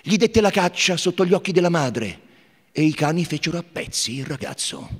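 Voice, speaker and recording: A male actor giving a theatrical literary reading, dramatic and hushed in its grim passages. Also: a little high, expressive, moderate pace, slightly rough. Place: theatre stage before an audience. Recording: long hall reverb.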